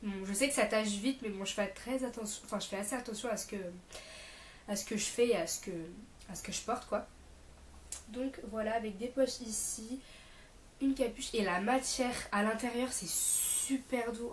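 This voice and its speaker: A woman's voice: fairly high pitch, roomy sound, slight background noise. A young woman vlogging casually to camera in an informal, rambling way, her voice a bit off because she is mildly ill. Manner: informal, rambling, self-correcting. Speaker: vlogger presenting a shopping haul.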